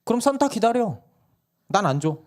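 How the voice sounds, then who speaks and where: A hoarse man voicing a blunt mother who curtly refuses her child's demands. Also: high voice, normal speed, voice pushed up. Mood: curt, dismissive. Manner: curt, flatly dismissive.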